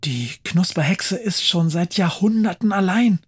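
A man voicing a scatterbrained, cheerful female Christmas witch in an audio storybook, talking in breathless, excitable bursts. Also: high-pitched, measured pace, background noise, voice pushed up. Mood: excited. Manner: breathless, excitable, animated chatter. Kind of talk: storybook narration.

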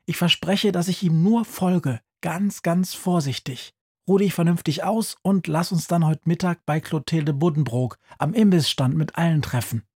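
Young boy sleuth, eager and bold, played by a man, raised husky voice, slow. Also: fairly high pitch, voice pushed up. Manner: bright eager boyish tone.

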